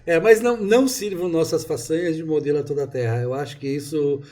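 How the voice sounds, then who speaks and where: A man's voice: a little high, quick pace, mellow. A man from southern Brazil with a gaúcho accent, talking in a rambling, emphatic way full of restarts during a casual conversation. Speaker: author and interviewee.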